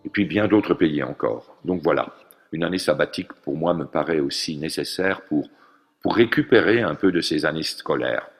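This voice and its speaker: A man speaking fluently in a measured, formal way, giving a recorded model answer for an oral exam. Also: rumbling low, expressive, soft background music.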